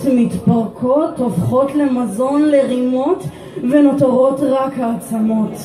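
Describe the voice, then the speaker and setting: Over music in the background, a woman speaks very slowly at a high pitch, her tone intense and dramatic with lively intonation. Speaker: spoken word poet. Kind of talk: spoken word poetry. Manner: intense, dramatic, deliberate delivery; confessional, raw, building to defiant close. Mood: dark, intimate, confessional. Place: bar. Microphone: camera far.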